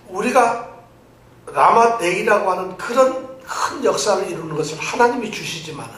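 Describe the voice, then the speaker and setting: Pastor guy preaching, high voice, keeps quizzing the crowd, far-off mic in a big echoey church. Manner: animated preaching, quizzes the congregation and repeats phrases. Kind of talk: sermon. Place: church sanctuary.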